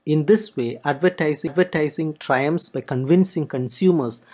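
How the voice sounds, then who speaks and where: Narrator for a read-aloud theory summary; mid-pitched, even delivery that stumbles now and then and repeats phrases. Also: moderate pace. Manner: steady reading with frequent restarts and repeated words.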